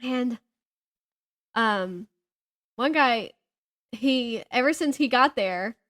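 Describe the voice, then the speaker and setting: A woman chatting casually as a podcast co-host, telling stories in an animated way and acting out what people said. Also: on the high side, drawn-out words. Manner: animated storyteller who acts out reported dialogue and jokes at herself. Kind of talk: casual chat, storytelling.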